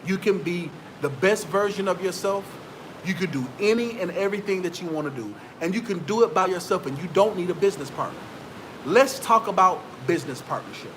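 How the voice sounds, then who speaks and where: High-voiced man giving pep talk. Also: expressive, brisk, background noise. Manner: preachy, repetitive, talks straight to viewers. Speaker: vlogger giving business advice. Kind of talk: motivational talk to camera.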